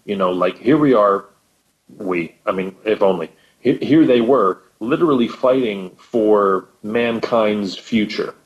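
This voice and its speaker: Low-voiced man, gushing, muffled audio. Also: unhurried. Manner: enthusiastic, gushing with repeated words. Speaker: guest co-host. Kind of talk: casual podcast conversation.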